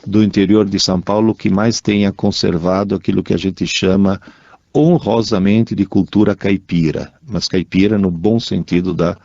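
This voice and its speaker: A man with an Italian accent co-hosting a casual radio chat show, reading out listener emails in a lively, chatty way. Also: deep voice, moderate pace, creaky, dry recording. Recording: dull, dry studio sound.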